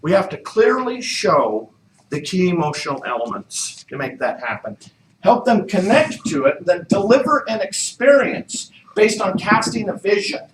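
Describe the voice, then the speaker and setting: A man's voice: sits high, big pitch swings, moderate pace, slight background noise. A man leading a real estate training session, coaching the group with repeated questions. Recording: echoey room, mic far off.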